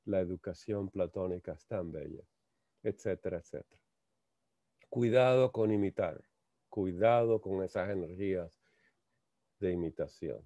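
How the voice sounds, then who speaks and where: A man slowly lecturing on a spiritual text, halting and repeating words, asking rhetorical questions. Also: sits low, mellow, no room sound. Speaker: lecturer on theosophy. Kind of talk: slow reflective spiritual lecture. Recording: muffled lo-fi dry sound.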